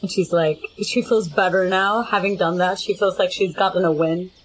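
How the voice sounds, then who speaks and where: A woman's voice: lowish voice, fairly even intonation, moderate pace, low-quality recording. A woman playing a tabletop game, casually describing what her character does and chatting. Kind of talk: casual in-game narration and chat.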